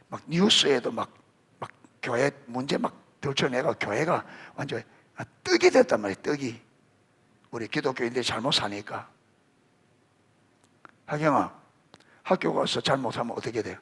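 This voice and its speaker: A middle-aged pastor gives a warm, conversational sermon in a gravelly, slightly husky voice of medium pitch that swings widely up and down. He speaks at normal speed with long pauses, animatedly stressing scripture as he peppers listeners with questions and calls on children by name to answer.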